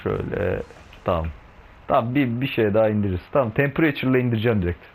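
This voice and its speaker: A man's voice: on the low side, racing, creaky, slight background noise. A young man giving casual let's-play commentary at home, slangy and bantering with the game's monsters and his cat. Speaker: gaming video host.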